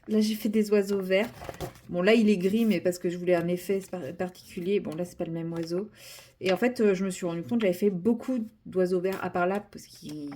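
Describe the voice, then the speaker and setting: Rambling mellow-voiced woman vlogger. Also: mid-range voice, a little hiss or hum. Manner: rambling, many fillers and restarts, self-mocking. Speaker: coloring vlogger. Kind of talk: casual chat while coloring.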